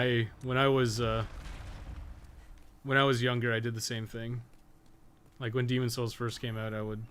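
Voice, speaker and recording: A man's voice: medium pitch, pushed and bright, slight background noise. A man giving casual, candid live gameplay commentary in an informal, conversational way, as a streamer chatting with viewers. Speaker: game streamer and guide maker.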